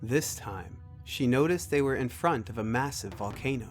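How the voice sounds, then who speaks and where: A man's voice: mid-range voice, expressive, normal speed. Male story narrator over music. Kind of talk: scripted fiction narration.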